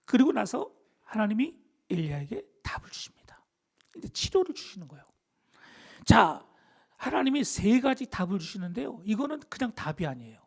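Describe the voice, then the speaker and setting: An animated male pastor preaching with a lively, swooping pitch. He poses questions to the congregation and answers them himself. His voice is gravelly, and he often falls to a hushed whisper for effect. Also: normal speed. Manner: animated, dips into dramatic whispers. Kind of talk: sermon.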